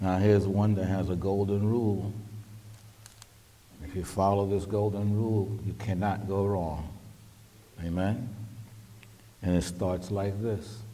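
A man at a fairly low pitch, fairly slow, with long, frequent pauses and monotone, flat intonation. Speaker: pastor / church minister. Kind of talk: sermon / Bible teaching to a congregation. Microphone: podium.

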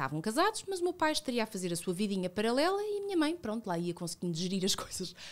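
A woman's fairly high voice at a very fast pace, with very wide pitch swings and hardly any pauses. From Portugal. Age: 30s. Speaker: entrepreneur and mother; podcast guest. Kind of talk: casual interview conversation. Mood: reflective, personal story. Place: studio. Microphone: studio mic.

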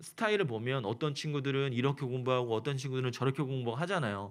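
A man with a fairly high voice speaks in an animated tone in a very clean recording with a silent background. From South Korea, Pyeongtaek, Gyeonggi. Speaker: youth pastor. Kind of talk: sermon. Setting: church service, in person and streamed.

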